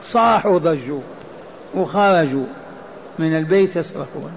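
A man's voice: fairly high pitch, moderate pace, creaky. A man delivering a sermon explaining scripture, emphatic and repetitive, asking rhetorical questions. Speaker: preacher. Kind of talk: Quranic exegesis sermon. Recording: dull lo-fi recording with faint noise.

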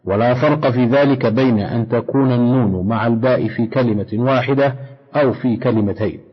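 A man teaching recitation rules in a measured, explanatory way, slowing down to chant example phrases. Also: mid-range voice, breathy edge. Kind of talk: instructional lecture on tajweed rules. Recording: dull lo-fi recording in a long-echo hall.

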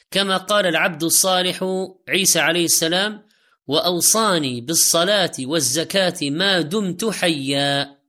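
A man's voice: fairly high pitch, pushed and bright. A man delivering a religious sermon in formal standard Arabic, exhorting listeners with rhetorical questions and repeated direct appeals. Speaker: preacher.

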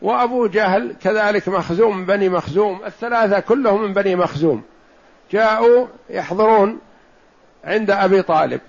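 A man giving a religious lesson, explaining a text in a measured way and slowing down to stress his points, in a dull lo-fi recording. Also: high voice, vocal fry, slightly rough. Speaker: Islamic scholar teaching hadith commentary.

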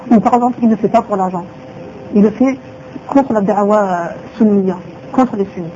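A woman's voice: mid-range voice, moderate pace, background noise. A woman teaching a religious lesson who repeats her phrases and asks rhetorical questions, on a dull lo-fi recording.

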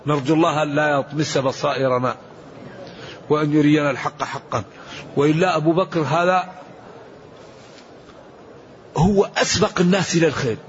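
A man's voice: a little high, moderate pace, pauses often, lo-fi sound, a little hiss or hum. A man giving an earnest, emphatic Quran commentary lesson, quoting scripture and sayings as he preaches. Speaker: Quran teacher.

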